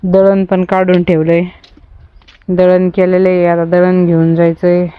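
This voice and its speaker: A woman's voice: lowish voice, monotone, unhurried, smooth, no room sound. Chatty village woman, vlogging outside her farmhouse on a phone, kinda muffled sound, animals in the background. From Ahilyanagar district, Maharashtra, India. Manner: chatty, homely, talks to the viewers and her animals. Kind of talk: casual vlog narration.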